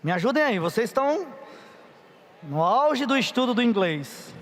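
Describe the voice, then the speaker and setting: Guy preaching at a youth conference, pretty high voice, long echo in a big hall. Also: big pitch swings, moderate pace, a little hiss or hum. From Paraíba, Brazil. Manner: chatty, playful, asks the audience for help. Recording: reverberant hall.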